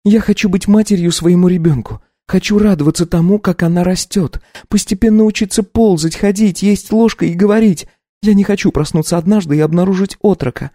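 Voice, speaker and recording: A man voicing a defiant young countess and mother, speaking in a shrill, pleading way. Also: a little fast, dark tone, no room sound, clean studio sound, close to an everyday voice. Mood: bitter defiant.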